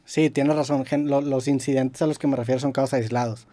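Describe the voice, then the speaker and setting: Mellow-voiced Mexican man interviewing casually. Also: medium pitch, fairly even intonation, a little fast. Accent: Mexican Spanish. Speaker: interviewer, host.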